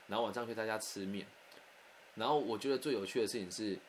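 A man telling a personal anecdote in a candid, animated, conversational way. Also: lowish voice, fast talker, a little hiss or hum. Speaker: storyteller.

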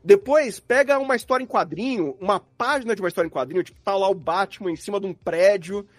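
In a dry recording, a man with a Brazilian accent and a high voice talks quickly and informally about sound design as an interview guest. He describes how he works and acts out the thoughts behind his choices.

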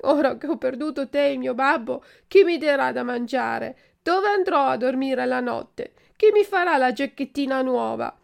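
Pinocchio, high wailing puppet boy voiced by a woman. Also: animated, measured pace, creaky, exaggerated voice. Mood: grieving. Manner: wailing, pleading, high childlike voice. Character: wooden puppet boy, impulsive and tearful. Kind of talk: storybook reading.

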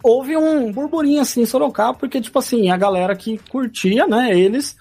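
A man's voice: extremely high pitch, a little mellow, faint music behind. Rambling man telling a story. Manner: rambling, halting, full of "tipo assim". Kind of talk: casual storytelling chat.

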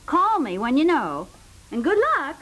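An actress playing a brisk, kindly family friend in a 1950s radio comedy. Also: female voice, high-pitched, very animated, a bit bright, exaggerated voice, poor audio. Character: brisk, kindly woman friend passing on messages. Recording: vintage 1950s radio recording.

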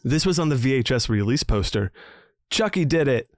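A man's voice: medium pitch, animated, fairly quick, dry recording, studio quality. A man hosting a horror movie podcast in casual chat, reading taglines aloud and laughing often. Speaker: podcast host.

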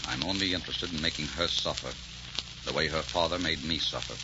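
An actor in a 1940s radio drama playing an imperious, vengeful Arab sheikh, suave, mocking and theatrical. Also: male voice, extremely low pitch, quick pace. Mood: cold, vengeful. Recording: noisy, muffled 1944 radio recording.

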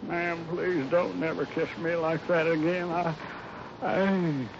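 An actor playing a bashful, gullible cowboy sidekick with a stammering, folksy American Western drawl, in 1950s radio style. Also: male voice, fairly high pitch, steady tone, slow. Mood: flustered. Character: bashful, gullible, comic cowboy sidekick, flustered around women. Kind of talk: 1950s radio adventure acting. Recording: noisy, dull 1950s radio recording.

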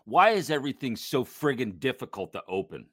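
A man's voice: mid-range voice, sing-song, brisk, husky, dry recording. A man co-hosting a podcast in casual chat, teasing and profane. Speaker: podcast co-host.

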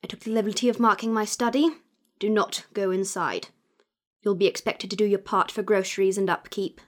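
An actress playing a prim, condescending, reclusive woman in an audio drama, formal, haughty and deadpan. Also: medium pitch, brisk, close to an everyday voice. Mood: icy, condescending. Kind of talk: audio drama acting, dry formal speech.

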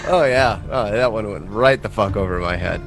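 A man's voice: lowish voice, normal speed, over music. A man running a tabletop role-playing game as game master, with rambling narration full of fillers.

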